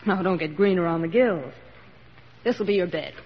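A breezy veteran army nurse. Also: female voice, fairly low pitch, breathy edge. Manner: brisk, breezy. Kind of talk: 1940s radio acting. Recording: dull old radio recording with faint hiss.

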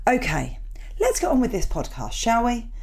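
A woman in her thirties with a cold, hosting her podcast in a rambling, self-mocking chat with a croaky, gravelly voice. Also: a little high, huge pitch swings, normal speed, darkish tone. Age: 30s. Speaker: podcast host. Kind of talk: chatty podcast intro, reading listener emails.

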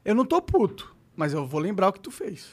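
Very high-voiced joking man. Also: very animated, fairly quick. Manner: teasing, joking interjections. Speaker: podcast host. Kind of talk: casual chat.

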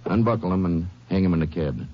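An actor playing a gruff, folksy, defensive small-town Texas sheriff in a 1950s radio western. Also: male voice, deep voice, very fast, close to an everyday voice. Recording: muffled old radio recording.

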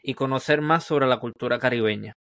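A man with a Puerto Rican accent hosting a history podcast, asking measured questions and adding short encouraging replies. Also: mid-range voice, fairly bright tone, dry recording, clean studio sound. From Puerto Rico. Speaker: podcast host. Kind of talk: interview host.

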